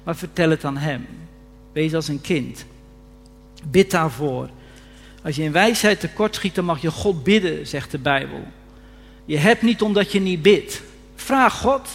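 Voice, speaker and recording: A man's voice: fairly high pitch, normal speed. A man preaching a sermon earnestly, often rising to fervent emphasis, recorded in a reverberant church hall. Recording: reverberant hall with faint hum.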